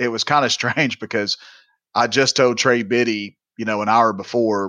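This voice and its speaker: A man's medium-pitched voice with a Southern US accent. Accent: slow Southern drawl. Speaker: sports podcast host. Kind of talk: casual chat.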